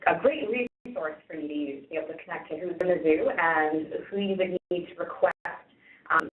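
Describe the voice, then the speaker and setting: A loud, cheerful woman introducing herself at a webinar in a meeting room. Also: fairly low pitch, recorded from a distance. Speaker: research navigation coordinator. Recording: tinny roomy webinar audio.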